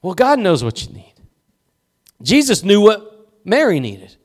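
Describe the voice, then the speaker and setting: A man's voice: high-pitched, huge pitch swings, unhurried. A male pastor preaching a sermon in a church, with emphatic repeated cadences and rhetorical questions.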